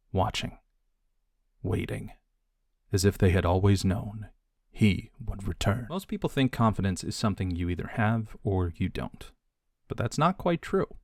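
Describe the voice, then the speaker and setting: Low-voiced man, hushed measured narration. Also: no room sound, studio quality. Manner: measured, hushed, with deliberate dramatic pauses. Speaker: audiobook narrator and voice actor. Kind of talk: scripted dramatic audiobook narration.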